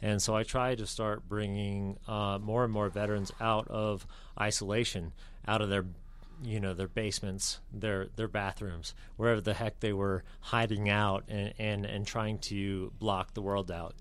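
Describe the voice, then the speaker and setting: A man speaking as a guest on a talk show, with a halting delivery full of fillers and restarts. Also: on the low side, flat delivery, a bit bright, clear, resonant tone. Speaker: veteran advocate guest. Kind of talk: casual radio talk.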